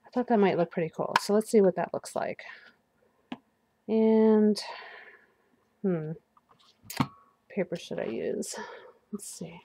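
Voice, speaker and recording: A crafting video host, still recovering from the flu, chats casually to herself while demonstrating a paper craft at her work table, laughing at her own slips. Her mid-range voice is warm and slow, with frequent pauses. It's captured by an overhead camera above the table, with a little hiss or hum.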